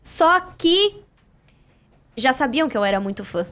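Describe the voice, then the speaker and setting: High-voiced Brazilian woman telling a story. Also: a little slow. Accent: Brazilian Portuguese. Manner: lively storyteller who acts out what others said. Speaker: voice actress guest. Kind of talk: casual podcast interview.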